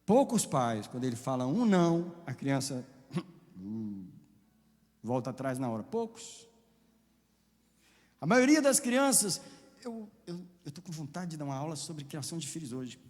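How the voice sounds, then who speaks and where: A man preaching a sermon as a pastor, impassioned, with dramatic swings between loud and soft. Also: fairly high pitch, very animated, unhurried, long pauses, in a large hall.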